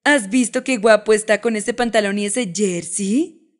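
A woman's voice: medium pitch, measured pace, natural voice. A woman voicing a playful young female friend in an audiobook.

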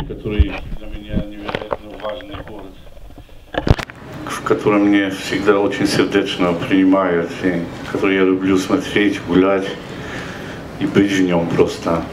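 A man's voice: on the low side, background noise. Older man with a Polish accent, hesitant non-native speech, distant microphone sound, roomy hall. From Poland. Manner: hesitant non-native Russian with self-corrections. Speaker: author. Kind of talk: public talk at book event. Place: large bookstore event hall. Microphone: handheld microphone. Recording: echoey hall, recorded from far off.

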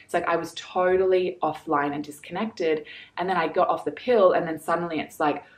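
A woman's voice: on the low side, steady tone, a little fast, low-quality recording. A young woman speaking to camera as a holistic health coach, earnest and flowing, with lots of "like" and "you know". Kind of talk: direct-to-camera advice vlog.

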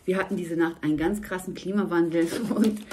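Slightly hoarse woman giving a tarot reading. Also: lowish voice, steady tone, brisk, background noise. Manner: warm, reassuring, talks straight to the viewer. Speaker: tarot reader. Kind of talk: monthly tarot reading to camera. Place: indoors at a table.

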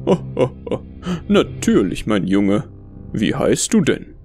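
A man's voice: on the low side, very animated, slow pace, warm tone, faint music behind, full character voice. A man playing a jolly Santa Claus in a horror audio drama, talking genially to children. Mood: jolly, kindly.

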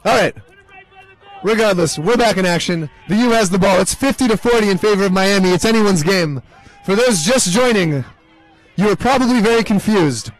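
A young man commentating a live match, mixing play-by-play with deadpan jokes. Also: high voice, normal speed, low-quality recording. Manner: deadpan joking asides. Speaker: sports commentator. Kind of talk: comedic live sports commentary.

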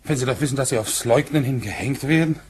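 An actor playing a plain-spoken, guarded Puritan farmer in a German radio play, blunt and measured, at times hesitant. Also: male voice, mid-range voice, a little mellow, breathy edge, lightly acted.

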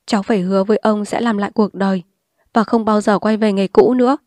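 A woman voicing a remorseful old man who speaks softly, slowly and pleadingly. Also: medium pitch, fairly even intonation, no echo, studio quality, natural voice. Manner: soft, slow and pleading.

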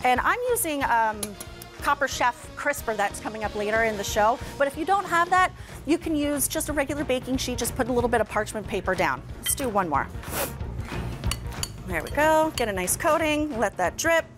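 Female infomercial host, middle-aged, higher register, chatty live kitchen pitch with clear music underneath. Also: animated, normal speed. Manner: chatty, self-deprecating, conversational. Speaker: shopping channel host. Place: TV studio kitchen set.

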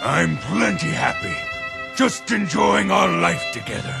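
An actor playing a brawny, easygoing male tribal king who talks in a relaxed, boastful drawl. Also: fairly high pitch, unhurried, vocal fry, loud music behind the voice, exaggerated voice. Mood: content. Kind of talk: video game cutscene.

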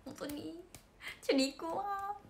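A woman's voice: very high voice, a little slow, creaky. A woman in her late teens hosting a casual livestream, chatting and giggling while reading viewer comments. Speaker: idol livestream host.

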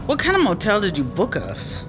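Sardonic, higher-voiced American traveler. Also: male voice, wildly swooping pitch, normal speed, over music. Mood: skeptical, sardonic. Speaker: actor. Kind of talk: radio drama acting.

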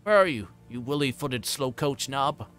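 A man voicing a bustling, forgetful fat innkeeper in a storybook reading, rambling on in a hurried, folksy way. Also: medium pitch, lively intonation, a bit bright, soft background music, lightly acted. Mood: impatient shouting. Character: flustered, bustling, chatty fat middle-aged male innkeeper.

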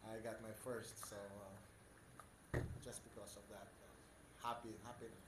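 Older Filipino coach, halting press-room answers, mixes in Tagalog, echoey room with clear noise behind. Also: male voice, fairly low pitch, flat delivery. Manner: switches between English and Tagalog, halting with many fillers. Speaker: basketball head coach. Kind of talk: postgame press conference answers. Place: press room with sponsor backdrop. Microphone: table mic on stand.

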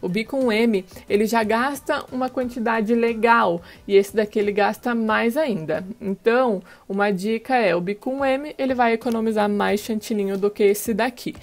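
A woman's voice: fairly high pitch, moderate pace, few pauses. A woman in her thirties with a Brazilian accent, presenting a casual tutorial as a channel host on a lapel mic. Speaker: host of a cake decorating channel. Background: background music.

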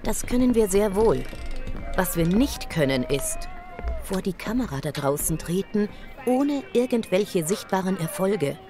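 A woman's voice: medium pitch, animated, a little slow, music in the background, natural voice. An actress playing a hard, sardonic female police commissioner in a radio play, commanding and condescending. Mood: harsh, impatient. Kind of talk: German radio play acting. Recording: rough unfinished mix, clear street and vehicle noise.

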